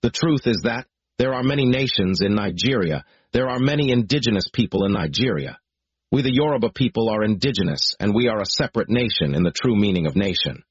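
Solemn low-voiced man reading a proclamation. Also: slightly rough, no echo. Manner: solemn, deliberate, measured. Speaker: speaker reading a declaration. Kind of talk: formal read proclamation. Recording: dry, dull lo-fi recording.

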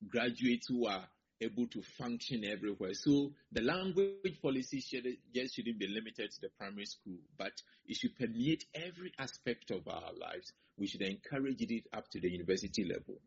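A man, a linguistics professor answering interview questions in a measured way, setting out his points one by one and closing firmly. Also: fairly low pitch, lively intonation, husky. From Ghana. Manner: measured, lists points in order, firm conclusions. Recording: slightly muffled broadcast audio.

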